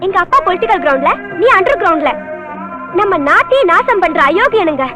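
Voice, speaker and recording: A captive young woman, defiant and frantic, with a very high voice. Clear film music plays underneath. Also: sing-song, fast talker. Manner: defiant, then frantic begging.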